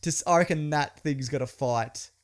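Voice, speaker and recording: A man's voice: a little high, moderate pace. A man with a broad New Zealand accent giving casual, slangy, jokey film commentary.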